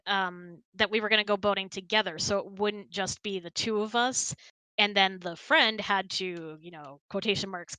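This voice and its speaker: A woman telling personal stories in a casual, expressive way, giggling easily as she hosts a hangout. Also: medium pitch, smooth, no room sound, low-quality recording. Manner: giggly, expressive, animated storyteller. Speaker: host of an audio hangout. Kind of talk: casual storytelling chat.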